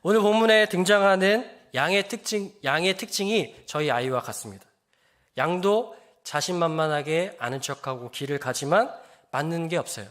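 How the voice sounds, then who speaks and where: A man in his thirties, a guest pastor preaching a sermon in a church, telling homely stories in a gentle, unhurried way. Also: a little high. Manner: slow solemn scripture reading, then gentle storytelling.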